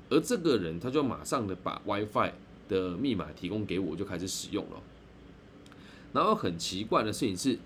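A Taiwanese man hosts a live-streamed podcast and tells a personal story. His voice sits fairly low, but his intonation swings up and down a lot as he drags out phrases and tacks on particles. There is a faint hiss behind him. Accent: Taiwanese Mandarin. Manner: chatty, drawn-out phrases with frequent sentence-final particles. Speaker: podcast host.

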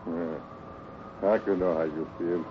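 Gentle foreign ranch hand, muffled recording. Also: male voice, sits low, steady tone, slow. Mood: gentle, coaxing. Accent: foreign, broken English. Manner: broken pidgin grammar, earnest and soothing. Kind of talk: 1950s radio western acting. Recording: muffled, noisy old radio recording.

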